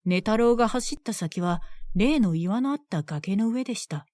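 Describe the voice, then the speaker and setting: A woman telling a scripted bedtime story in a gentle, even storytelling manner. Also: medium pitch, moderate pace, no echo, clean studio sound.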